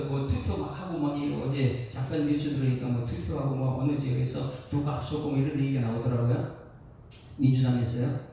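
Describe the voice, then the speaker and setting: A male pastor preaches a dawn sermon with a lively, rising and falling voice pitched a little high. He acts out the voices of the people he quotes. The sound is heavily echoey and distant, as if picked up from across a church hall. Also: slight background noise.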